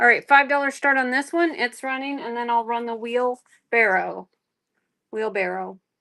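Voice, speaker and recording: A woman with a Missouri accent speaks at a moderate pace. Her high voice has a bright, sharp tone and ordinary pitch variation. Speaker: online auction seller. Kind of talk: live auction stream. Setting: garage during a thunderstorm.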